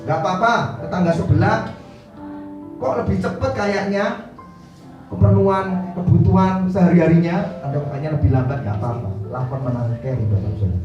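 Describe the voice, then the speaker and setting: A man preaching a sermon to a congregation, lively and direct, sometimes acting out quoted voices. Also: sits high, brisk, muffled recording. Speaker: pastor. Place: church hall. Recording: roomy church hall from a distance with music.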